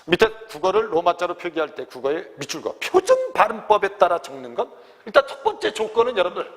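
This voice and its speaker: A man's voice: high voice, big pitch swings, fast talker, big-room sound, slight background noise. A man teaching an exam grammar lecture to students. He keeps checking whether they have understood, and he calls himself "teacher". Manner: constant check-ins asking if students understood; refers to himself as teacher in third person. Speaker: Korean language teacher.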